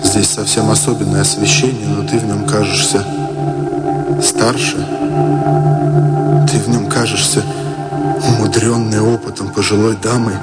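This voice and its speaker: A man's voice: on the low side, flat delivery, normal speed, pauses often, close to an everyday voice. An actor playing an infatuated, brooding artist in a radio drama, dreamy and insistent, repeating his words like an incantation. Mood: musing, tender. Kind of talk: radio drama acting over music. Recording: loud music over the voice.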